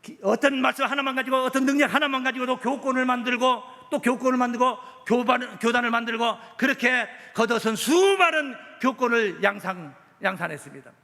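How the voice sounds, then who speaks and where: A man's voice: extremely high pitch, a little fast, hardly any pauses, bright, forceful tone. A man, preaching a sermon as pastor, emphatic and full of rhetorical questions. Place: church sanctuary. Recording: echoey church hall.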